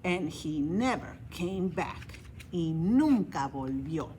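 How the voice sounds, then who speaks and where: A woman's voice: low voice, expressive, drawn-out words, mellow, slight background noise. A woman librarian reading a children's story aloud, each line in English then Spanish, with animal sounds.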